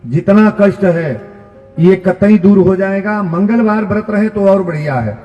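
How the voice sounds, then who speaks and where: High-voiced Bhojpuri-accented preacher in a hall. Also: male voice, lo-fi sound. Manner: preaching, repeats lines, chants verses slowly. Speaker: kathavachak preacher. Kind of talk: live devotional sermon. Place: live religious gathering. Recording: echoey hall with music behind.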